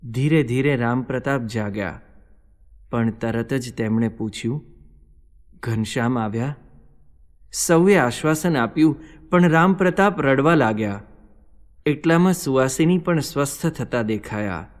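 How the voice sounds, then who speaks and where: A man's voice: medium pitch, unhurried. A man giving solemn, vivid scripted narration of a devotional story, heard with a long hall reverb.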